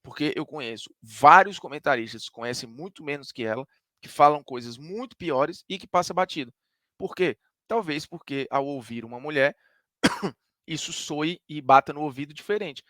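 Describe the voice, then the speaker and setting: A man's voice: fairly high pitch, normal speed, sharp tone, dry recording, studio quality. A man from Ceará with a Northeastern Brazilian accent, a sports commentator giving an emphatic, conversational opinion monologue that argues point by point.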